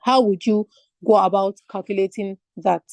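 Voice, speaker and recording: Nigerian woman teaching a class online, warm low tone, asks lots of questions as she explains. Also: steady tone, normal speed, dry recording. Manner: patient step-by-step explaining with rhetorical questions. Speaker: finance exam tutor. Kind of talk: online lecture.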